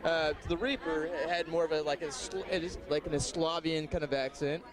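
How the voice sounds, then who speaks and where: Eager fan interviewer, slightly high voice. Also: male voice, steady tone, normal speed. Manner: eager, rambling questions with fillers. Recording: crowd noise behind.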